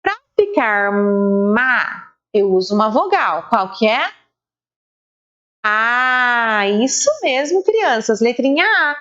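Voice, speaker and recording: A Brazilian Portuguese woman teaching an online reading lesson to young children, spelling out syllables slowly and praising them. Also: a little high, sing-song, a bit bright, dull audio.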